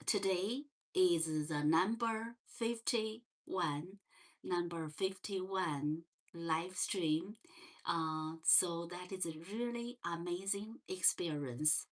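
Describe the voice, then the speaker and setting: A woman from China with a Chinese accent, hosting a relaxed livestream chat with viewers and often pausing on fillers. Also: lowish voice. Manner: slow and gentle, many fillers and restarts. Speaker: livestream host. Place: parents' home.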